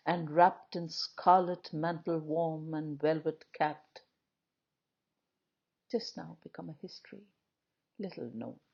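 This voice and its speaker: A woman reciting poetry in a solemn, dramatic, measured style, pausing often between short phrases. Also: sits low, darkish tone, muffled recording. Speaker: poetry reader.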